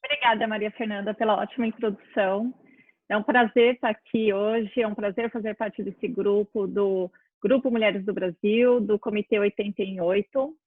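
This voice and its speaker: A woman's voice: medium pitch, steady tone, normal speed, dry recording. Woman moderator on a tinny line. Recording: tinny dry phone-like line.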